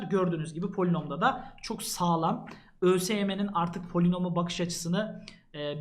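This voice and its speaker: Earnest male math teacher. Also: high voice. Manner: earnest, addresses students directly, flips through pages. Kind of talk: casual walkthrough of a prep book.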